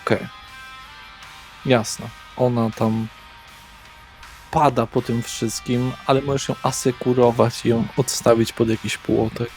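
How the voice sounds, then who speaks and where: Male game master, takes his time, moody horror narration w casual asides, soft music under him. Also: mid-range voice, flat delivery. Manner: unhurried, casual asides to players. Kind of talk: slow atmospheric narration of a horror RPG. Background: soft guitar music.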